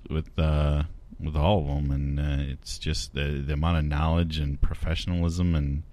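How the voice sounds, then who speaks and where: A man's voice: very deep voice, level tone, moderate pace, mellow. A man co-hosting a casual chat, talking hesitantly with many fillers.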